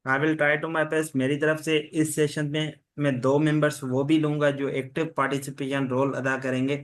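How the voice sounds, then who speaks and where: Male online class host, South Asian accent, even intonation, formal and halting in English. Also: on the high side. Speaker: host and moderator of an online law study session. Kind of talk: informal online class moderation, switching between Hindi-Urdu and English. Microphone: online group call.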